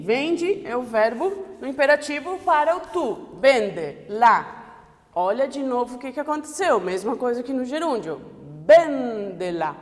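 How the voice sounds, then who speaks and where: A woman's voice: on the high side, long reverb tail. A woman teacher explaining grammar step by step, often checking in with her students. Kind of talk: online classroom lesson.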